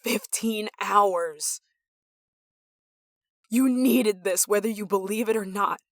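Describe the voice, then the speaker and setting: Female actor as obsessive yandere coworker-lover. Intimate ASMR drama, sweetly threatening, breathy delivery, very dry close sound. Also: mid-range voice, slow pace, dry recording. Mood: coaxing, insistent. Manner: breathy sighs and chuckles, dropping to whispers. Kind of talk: intimate ASMR roleplay acting.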